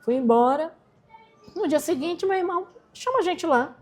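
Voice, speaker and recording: An animated woman from Rocinha in Rio de Janeiro, Brazil, speaks in a very high-pitched voice at a moderate pace, with soft music in the background. An entrepreneur and singer appearing as an interview guest, she tells an emotional personal story and acts out the voices she quotes.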